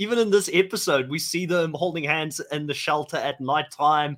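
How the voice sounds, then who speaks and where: A man speaks at a moderate pace in a fairly high pitch. His tone is bright and sharp, with ordinary pitch variation. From South Africa. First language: Afrikaans. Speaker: podcast host. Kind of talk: casual chat. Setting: video call.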